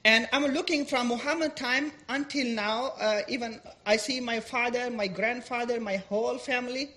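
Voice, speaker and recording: A young woman from Pakistan speaks with a Pakistani accent, her voice sitting a little above the usual pitch. She gives her testimony in halting, simple English. She stops often for fillers and searches for words. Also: bright, forceful tone. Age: 20s. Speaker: guest speaker giving testimony.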